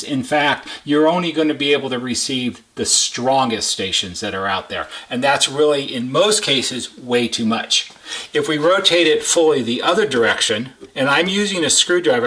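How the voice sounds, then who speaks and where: A man with a bright, forward voice talks through a technical repair in an informal teaching style. He is plain-spoken and goes step by step, restating key points for emphasis. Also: medium pitch. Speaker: repair technician giving a how-to demonstration. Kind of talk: informal instructional explanation.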